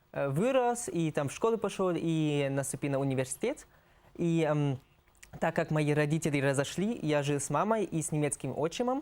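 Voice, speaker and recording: A man's fairly high-pitched voice with a German accent. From Germany, Berlin. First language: German (speaking Russian). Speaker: exchange student. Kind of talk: tv interview. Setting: tv studio. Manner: halting, many filler sounds.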